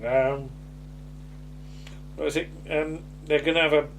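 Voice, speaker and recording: A man's voice: on the high side, level tone, a little slow, creaky, fairly bright tone, a little hiss or hum. A man with a slight lisp, casually recapping a sitcom episode and hesitating with many ums and restarts. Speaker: podcast co-host.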